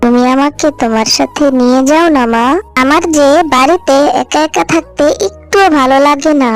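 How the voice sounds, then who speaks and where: A woman's voice: high-pitched, normal speed, soft background music. A woman voicing a young girl fox cub in a cartoon, pleading with her mother again and again. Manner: whiny, pleading. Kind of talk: cartoon voice acting.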